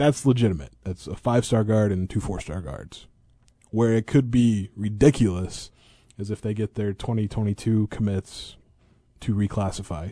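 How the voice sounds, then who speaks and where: Over a quiet background, a man with a dark, mellow, somewhat breathy tone speaks at a moderate pace and fairly low pitch with ordinary pitch variation, the sound dry and close with no echo. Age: 30s. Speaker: sports beat writer. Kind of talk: casual chat.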